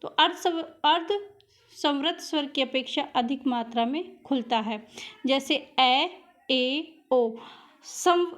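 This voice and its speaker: Woman, teacher, high voice, patient, repeats and answers own questions, exam-prep lesson. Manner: patient, drills vowel sounds aloud.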